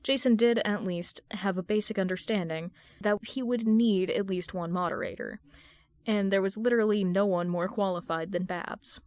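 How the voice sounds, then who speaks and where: A woman's voice: mid-range voice, fairly even intonation, normal speed, darkish tone, no room sound, studio quality. A woman reading fan fiction aloud as a narrator. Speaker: podfic narrator.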